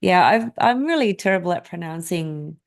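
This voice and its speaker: A woman's voice: lowish voice, lively intonation, moderate pace, gravelly. A woman whose first language is Greek, hosting a casual astrology live stream and talking to her viewers in a rambling way, with many fillers and restarts.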